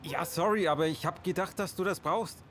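A man's voice: fairly high pitch, brisk, a bit bright, slight background noise. A man acting as himself in casual, scripted comic dialogue, a podcast host in an audio play.

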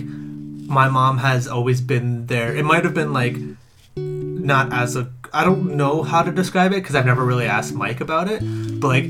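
A young man chatting casually and warmly about his family, rambling with lots of fillers. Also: mid-range voice. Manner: rambling, heartfelt, many fillers. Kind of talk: casual chat. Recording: music playing underneath.

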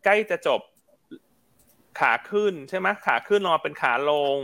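A man's voice: high-pitched, normal speed, creaky, bright, forceful tone. A man hosting a live stock market talk show, chatty and upbeat, often asking viewers to write in.

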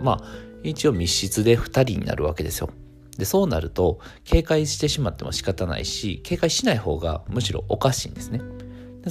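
A man talks through a solo radio monologue. His voice sits fairly low but rises and falls a lot. He keeps a calm, measured pace full of fillers, over soft guitar music in the background. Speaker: clinic owner and radio host.

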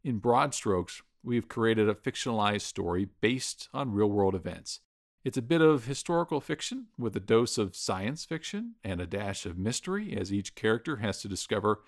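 A man's voice: fairly low pitch, animated, normal speed, no room sound, studio quality. A middle-aged man narrating and explaining as a podcast game master.

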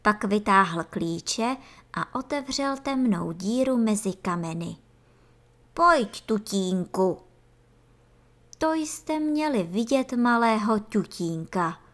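A woman reading a children's storybook aloud with expressive narration. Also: mid-range voice.

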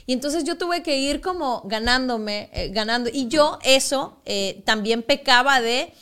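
A young woman sits for a casual interview and recounts her broadcasting days with animation. Her voice sits a little high, and she slips into the voices of the people she quotes. Her sentences restart often as she talks. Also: a little slow, bright, forceful tone, smooth. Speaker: sports broadcaster, guest.

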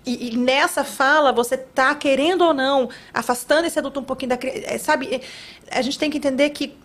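Fast-talking high-voiced Brazilian woman. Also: fairly even intonation. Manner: earnest, quick, acts out quoted dialogue. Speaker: podcast guest, educator. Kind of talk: casual podcast conversation.

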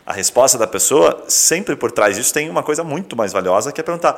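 Fast, animated Brazilian man. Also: medium pitch. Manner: animated storyteller, acts out dialogue in raised voices. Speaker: podcast co-host, business owner. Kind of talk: casual business podcast chat.

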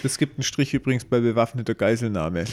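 A man's voice: medium pitch, animated, fast talker, darkish tone. A man chatting casually in a podcast, teasing his co-host and stubbornly defending his point. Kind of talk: casual recap chat.

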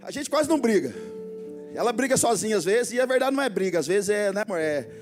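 A Brazilian man preaching as a pastor to his congregation, telling personal stories with hushed asides and loud exhortations. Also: sits high, expressive, fast talker, soft background music. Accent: Brazilian Portuguese. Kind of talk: sermon. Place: church hall before a congregation.

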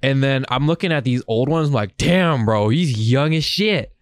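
A man's voice: mid-range voice, moderate pace, dry recording, studio quality. A man podcasting in a casual, profane chat, rambling and enthusiastic with plenty of slang. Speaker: podcast host.

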